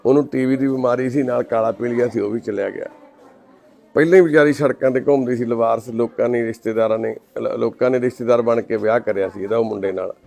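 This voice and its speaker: A man with a Punjabi accent, a charity volunteer making a soft, pleading appeal to the camera. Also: mid-range voice, steady tone, fast, gravelly.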